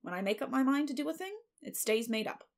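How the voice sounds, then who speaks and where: Woman as a dry, creaky, sensible spinster. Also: sits high, very animated, pitched above the performer's own voice. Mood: dry, resolute. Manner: dry, measured. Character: dry, firm, sensible older spinster guardian.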